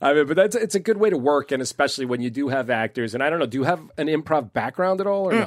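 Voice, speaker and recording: With a New York accent, a man speaks very fast in a fairly high voice, hardly pausing. His intonation is lively. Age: 50s. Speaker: TV writer and podcast host. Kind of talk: casual chat. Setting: studio.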